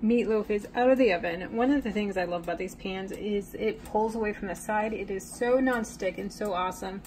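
A woman's voice: mid-range voice, fairly quick, a little mellow. A young woman chatting casually through her meal prep vlog in her home kitchen, filmed on a phone. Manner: chatty, talks baby-talk to her cats. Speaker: vlogger. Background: faint household appliance hum.

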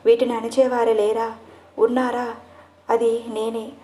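A woman's voice: a little high, little pitch movement, a little slow, mellow, natural voice. Playful, dramatic young woman, as a woman narrator puts her on. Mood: teasing. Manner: theatrical, mock-dramatic speeches. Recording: echoey room.

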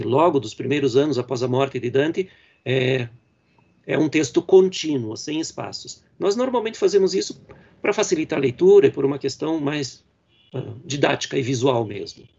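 A man's voice: on the high side, gravelly, darkish tone, breathy edge. Brazilian man lecturing on poetry, muffled. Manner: explanatory, with frequent "né?" and "é" fillers; reads verse lines slowly and deliberately. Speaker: literature professor.

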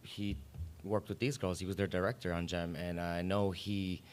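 A young man on a panel, telling fan stories excitedly with bursts of laughter at a table mic. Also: low-pitched, normal speed. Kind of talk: casual panel chat. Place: indoor meeting room at a panel table. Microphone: table mic on stand.

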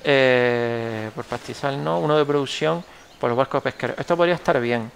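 A young man with a Canarian Spanish accent talks through a strategy game, thinking aloud, trailing off and correcting himself. His voice sits at an ordinary pitch with a gravelly, creaky edge. A faint hiss of noise runs underneath. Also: moderate pace. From Canary Islands, Spain. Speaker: gameplay tutorial host. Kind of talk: casual gameplay commentary.

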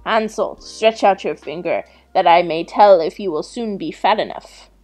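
A woman's voice: on the low side, moderate pace, a little mellow, close to an everyday voice. A wicked old storybook witch, acted out by a woman, gloats and gives orders with impatient spite. Music plays behind the voice. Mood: harsh, commanding. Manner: gloating, commanding.

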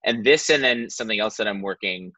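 A man's voice: lowish voice, brisk, sharp tone, no room sound. A man in his thirties, a guest on a casual video-call panel, speaking hesitantly and self-effacingly. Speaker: theater director and guest. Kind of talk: casual roundtable talk. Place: living room, video call. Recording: dull, dry video-call audio.

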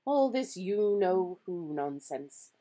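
A woman plays a kindly old male wizard from a storybook. He talks slowly, with courteous, gentle patience. His phrases rise and fall widely, yet stay calm and measured. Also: fairly low pitch, voice pushed up, heavily acted. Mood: patient. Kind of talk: storybook character reading.

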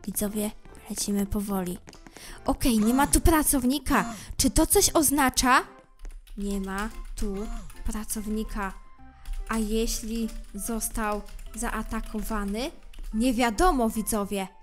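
A woman commenting on a game she is playing. She speaks to her viewers, moving from hushed suspense to loud panicked shouting. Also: on the high side. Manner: talks straight to viewers, swings from hushed suspense to screaming panic. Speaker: gameplay commentator.

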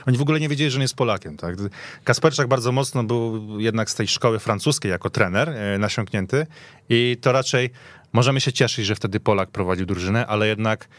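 A man's voice: on the low side, brisk, dry recording. A man speaking colloquial speech as a guest in a casual football discussion, telling stories as he goes. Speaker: radio podcast guest commentator.

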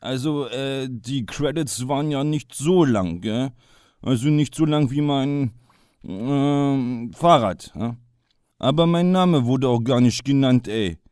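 A man's voice: mid-range voice, slow, darkish tone, clear, resonant tone, dry recording, clean studio sound, lightly acted. An actor playing a grumbling male secret agent who talks casually with filler sounds. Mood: miffed. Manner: chatty, ums, regional tag "gell". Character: miffed male secret agent after credits. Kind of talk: radio play acting.

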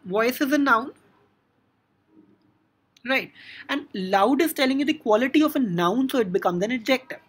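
Husky woman teaching grammar. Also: high-pitched, animated, moderate pace, long pauses. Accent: Indian English. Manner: explains step by step with many "now" and "so" fillers. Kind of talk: classroom grammar lesson.

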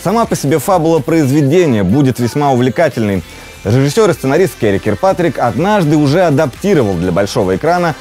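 A man's voice: medium pitch, darkish tone. A man in his thirties presenting a scripted film review with a playful, ironic manner.

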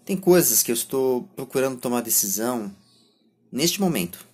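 Husky young Brazilian man, halting delivery. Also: mid-range voice, animated, a little mellow. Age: 20s. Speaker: vlogger. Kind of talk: reflective monologue to camera. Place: small indoor room lined with bookshelves. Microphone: phone or camera at arm's length.

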